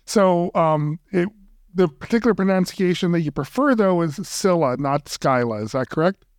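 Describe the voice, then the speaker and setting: A male podcast host asks questions in a friendly, conversational way, with a few fillers. His voice is smooth and resonant and a little higher than most men's. The sound is close and dry. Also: animated, moderate pace, a little mellow, no room sound. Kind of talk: interview podcast hosting.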